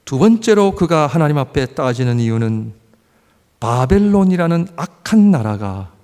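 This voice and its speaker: Gravelly man preaching in reverberant church. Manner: swings from loud impassioned pleading to low measured scripture reading. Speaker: pastor. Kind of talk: sermon. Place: church sanctuary. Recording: long church hall reverb.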